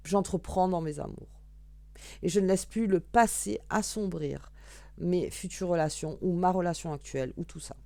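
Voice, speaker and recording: A woman with a fairly low, dark voice touched by vocal fry does a chatty card reading at a normal pace, drawing and shuffling cards while she thinks aloud, stumbles into restarts, and uses fillers. It's a dry recording.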